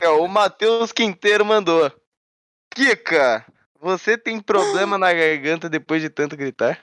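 A man's voice: a little high, unhurried, a bit bright, no room sound, studio quality. A man joking in slang on a casual group call. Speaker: co-host reading questions.

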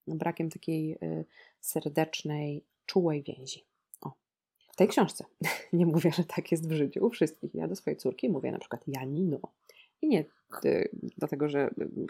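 A woman's voice: deep voice, gravelly, dark tone, husky. A woman in her thirties discussing a novel on a podcast, ironic and reflective, with frequent hesitations and rhetorical questions. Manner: asks listeners rhetorical questions.

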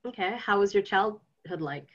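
An actress playing a young woman in grad school who interviews and gently teases the man she loves. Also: medium pitch, moderate pace, highs cut off, close to an everyday voice. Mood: probing. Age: young adult. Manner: lively, probing, gently mocking.

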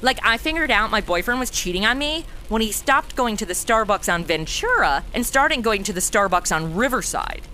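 A woman's voice: medium pitch, expressive, moderate pace, hardly any pauses, bright, forceful tone, a little hiss or hum, poor audio. A woman playing a brash, flippant twenty-something amateur detective in a comedy audio drama, with sassy, slangy delivery. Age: 20s. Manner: sassy, slangy, self-absorbed wisecracking. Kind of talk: comedy audio drama acting with wry narration.

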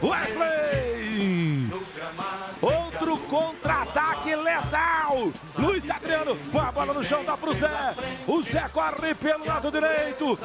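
A Brazilian man shouting radio football commentary as a play-by-play announcer. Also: extremely high pitch, slow pace, music in the background.

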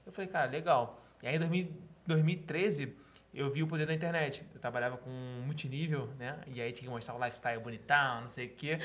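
A man chatting casually as a podcast guest, telling stories in an animated, joking way. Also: medium pitch. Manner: fast, animated storytelling with laughs.

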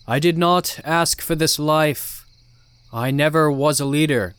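A man voicing a charismatic male cult prophet in his forties, preaching slowly with an authoritative yet kind tone. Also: on the high side, a bit bright, clean tone, no room sound, voice pushed up. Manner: slow, authoritative sermon-like delivery.

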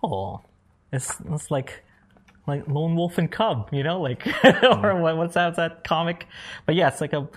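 Host with a casual, joking delivery; a man from the Philippines, first language Tagalog, rambling and relaxed. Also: a little high, a little slow. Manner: loose and jokey, heavy on "like" and "you know". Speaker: co-host, music teacher. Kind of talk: casual podcast chat.

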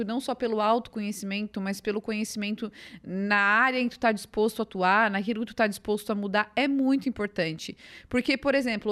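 A woman with a slightly high voice hosts a podcast chat. She speaks conversationally, backing up and restating what her guest says. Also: a bit bright. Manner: conversational, supportive, sums up the guest's points. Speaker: podcast host. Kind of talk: podcast interview, casual conversation.

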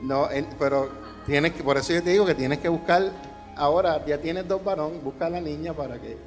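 High-voiced male pastor preaching in a hall. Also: brisk. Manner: preaching with rising emphasis and rhetorical questions to the congregation. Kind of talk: sermon. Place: church hall. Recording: long hall reverb with faint music.

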